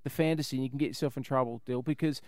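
A man's voice: mid-range voice, steady tone, rapid-fire, a little mellow, no room sound, clean studio sound. An Australian man hosting a radio show with casual, irreverent comedy banter and a jokey, rambling way of talking.

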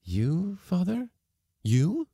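A man's voice: on the low side, expressive, slow pace, gravelly, dark tone, no echo, clean studio sound, exaggerated voice. A man voicing a distressed, timid young daughter in an audiobook story, faltering and pleading. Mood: moved, astonished.

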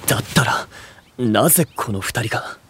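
A man's voice: mid-range voice, expressive, normal speed, background noise, close to an everyday voice. A man playing a stern, distrustful young older brother in a voice drama, curt, haughty and formal, protective and aloof. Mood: irritated. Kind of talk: Japanese voice drama acting.

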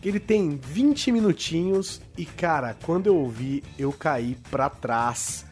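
High-voiced Brazilian man hosting a podcast. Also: expressive, slow, a little mellow, faint music behind. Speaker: podcast host. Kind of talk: casual podcast recommendation.

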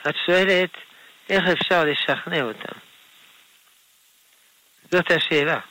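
A man, a rabbi, answering listener questions on a radio call-in show in a gentle, unhurried way. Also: fairly high pitch, poor audio. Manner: gentle, unhurried, explains patiently with soft laughs.

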